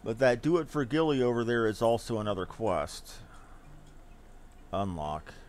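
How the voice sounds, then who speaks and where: A man's voice: mid-range voice, very animated, moderate pace, darkish tone, faint music behind. A man giving casual livestream commentary as he plays a game and talks to his viewers. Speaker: game streamer.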